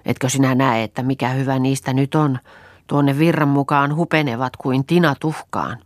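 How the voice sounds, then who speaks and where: A woman's voice: very deep voice, steady tone, dry recording, studio quality. A woman voicing a fretful, grumbling young countrywoman who wails and mutters complaints, in a storybook reading.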